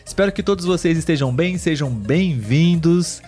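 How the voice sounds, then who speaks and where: A Brazilian man co-hosts a live podcast, speaking in a slow and deliberate way meant for learners. He keeps checking in with his audience and his co-host as he goes. A faint music bed plays underneath him. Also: on the high side, a little mellow. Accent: Brazilian Portuguese. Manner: slow, clear, teacherly delivery with frequent "né?" checks.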